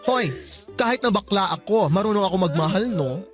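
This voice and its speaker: A man's voice: high voice, lively intonation, brisk, music in the background. An actor playing a sassy, flamboyant gay man in his twenties with a campy, scolding way of talking, in a radio drama. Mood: teasing, bossy. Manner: campy, mouthy, scolding banter.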